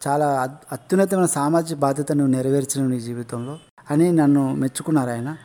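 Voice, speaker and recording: A man's voice: mid-range voice, quick pace, warm tone. A man with a Telangana Telugu accent, a guest in an interview, earnestly telling childhood stories and recounting dialogue. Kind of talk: storytelling in an interview.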